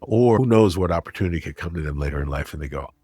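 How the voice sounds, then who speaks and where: Deep husky man, dry close sound. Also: lively intonation, racing, dark tone, no echo, faint music behind. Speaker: interview guest, critic and broadcaster. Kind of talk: conversational interview.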